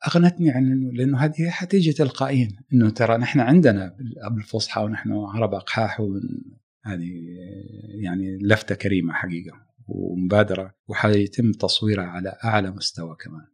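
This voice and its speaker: A middle-aged man with a husky, somewhat low voice. He talks quickly in a casual interview, reflective, breaking off and restarting his phrases as he thinks. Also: darkish tone. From Saudi Arabia. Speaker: musician guest.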